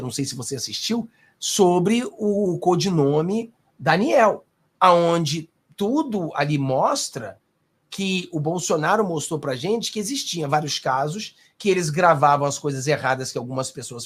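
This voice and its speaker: A man with a Brazilian accent hosting political commentary, animated and sarcastic, talking straight to his viewers. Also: on the high side, slightly rough. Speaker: host.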